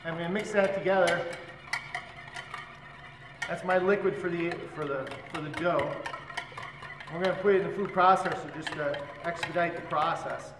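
A man in his forties teaches a cooking class, talking casually as he cracks eggs and mixes dough. His voice sits a little high and reaches the camera from across a large, reverberant hall. Steady background noise runs under the recording. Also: moderate pace, long pauses. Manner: relaxed, explains while working with his hands. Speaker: chef instructor. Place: large hotel function room, indoors. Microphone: far camera. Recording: echoey hall, voice from far off, loud background noise.

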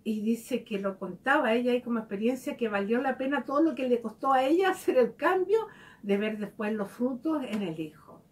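A woman gives a devotional talk in a gentle, conversational way, often turning to her listeners with questions. Her voice sits a little high. She sounds set back from the microphone. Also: animated, brisk. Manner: warm, conversational preaching with direct questions to listeners. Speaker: teacher giving a devotional reflection. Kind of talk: spoken devotional reflection. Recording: voice heard from a distance.

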